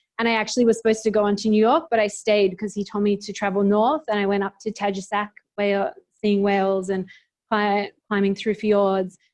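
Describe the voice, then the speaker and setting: A woman speaks at a medium pitch with an Australian accent. Her pace is fairly quick. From Australia, Sydney. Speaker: scientist. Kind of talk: lecture. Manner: fast.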